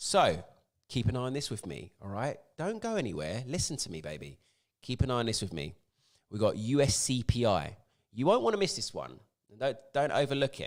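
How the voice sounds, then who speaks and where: Vocal fry and an animated tone, fairly quick delivery broken by long, frequent pauses, very wide pitch swings and big swings in loudness. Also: man, medium pitch for a man. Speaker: crypto market analyst. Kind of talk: market analysis livestream. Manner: fast.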